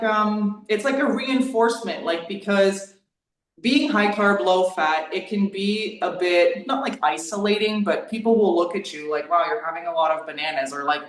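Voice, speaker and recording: A woman in her thirties talking casually in an interview, rambling and peppering her speech with "like". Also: medium pitch. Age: 30s. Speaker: YouTube creator on diet. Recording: echoey room, distant from the mic.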